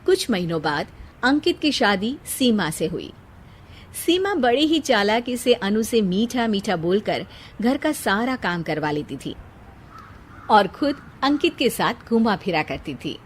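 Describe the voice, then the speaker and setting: A woman giving scripted narration for a moral bedtime story, in an even storytelling manner. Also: mid-range voice, unhurried, a little hiss or hum.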